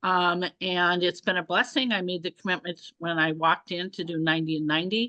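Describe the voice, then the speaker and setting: Recorded dry and close with no echo, a woman speaks in a fairly low pitch with a bright, sharp tone and fairly even intonation. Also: fairly quick pace, hardly any pauses. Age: 60s. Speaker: AA meeting member sharing story. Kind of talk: testimony. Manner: halting.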